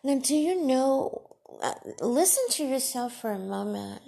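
A woman podcast host and radio broadcaster with Farsi as her first language, talking in a deliberate, emphatic monologue that scolds her critics. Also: high voice, animated, creaky, mellow.

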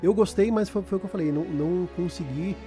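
A man's voice: sits high, quick pace, mellow, soft background music. A Brazilian man chatting casually as a podcast host, slangy and often repeating words as he searches for phrasing. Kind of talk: casual chat about video games.

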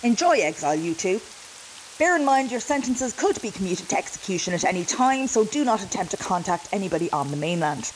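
A woman playing a brisk, dutiful security guard in a comedy audio drama, with a deadpan, matter-of-fact manner. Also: mid-range voice, reverberant, background noise, natural voice.

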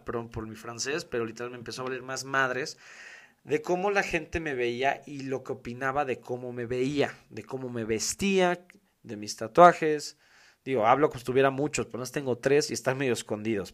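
A man with a Mexican accent hosting a podcast, giving a casual monologue in an emphatic, slangy way and repeating his key points. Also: mid-range voice. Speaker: podcast host.

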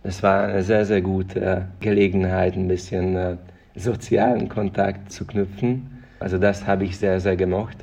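A man's voice: low voice, little pitch movement, measured pace, vocal fry, a little mellow. A man from Hungary, answering interview questions earnestly and sometimes repeating words as he searches for phrasing. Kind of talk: thoughtful personal interview answers.

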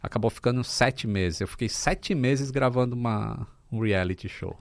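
A man in his fifties from Brazil chats as a podcast guest. He tells stories in a relaxed way with plenty of fillers. His voice sits in a middle pitch, and it is recorded dry and close to the mic. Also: moderate pace, no room sound. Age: 50s. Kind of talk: casual chat.

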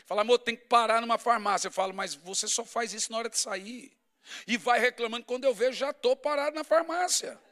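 A middle-aged man preaches a sermon in a very high, bright and forceful voice. He tells stories with humor and swings between loud bursts and hushed asides. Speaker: pastor.

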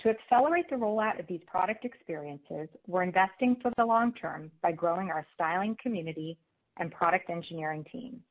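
A woman company executive giving a scripted corporate presentation on an earnings call, in a measured, formal read delivery. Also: on the low side, expressive. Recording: phone-like conference call line.

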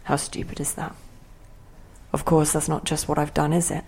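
An actress playing dementia as a grave, remorseful spirit in an audio play, speaking in a measured, intimate way. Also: female voice, low voice, little pitch movement, gravelly, darkish tone, a little hiss or hum. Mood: grave, resigned.

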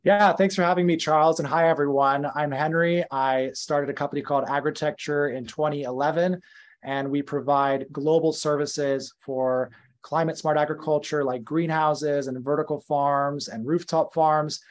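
A man in his thirties with a North American accent, speaking as a podcast guest. His voice sits slightly high for a man. He talks loosely and conversationally, with plenty of fillers and self-corrections. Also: steady tone, moderate pace. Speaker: podcast guest, company founder. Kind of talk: casual podcast interview.

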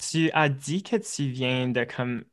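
Young man hosting, chatty, mid-pitched. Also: slow pace, fairly bright tone. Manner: switches into English mid-sentence, loose and chatty. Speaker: podcast host. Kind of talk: casual podcast chat.

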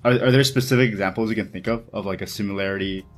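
A man's voice: lowish voice, racing, faint music behind. A man co-hosting a podcast in casual conversation, with informal, slangy phrasing. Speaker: podcast co-host.

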